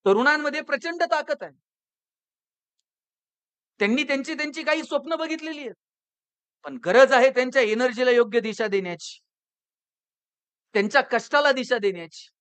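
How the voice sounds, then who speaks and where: A man giving a motivational public lecture, telling stories and asking the audience rhetorical questions, swinging between loud and hushed delivery. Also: very high-pitched, normal speed, long pauses, clear, resonant tone, dry recording. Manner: rhetorical questions and storytelling, rises and drops in loudness.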